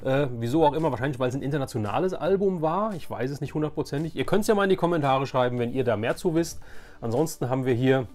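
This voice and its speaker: A man's voice: mid-range voice, fast, darkish tone. A man in his forties hosting a casual, nostalgic show-and-tell, chatty and repeating words for emphasis. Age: 40s. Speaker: YouTube host.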